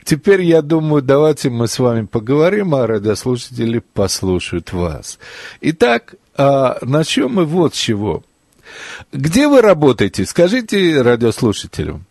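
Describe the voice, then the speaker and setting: Measured Russian-speaking radio host man. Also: medium pitch, sing-song, creaky, darkish tone, dry recording, studio quality. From former Soviet Union. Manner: measured, deliberate, with fillers. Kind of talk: radio talk show interview. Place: radio studio. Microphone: studio mic.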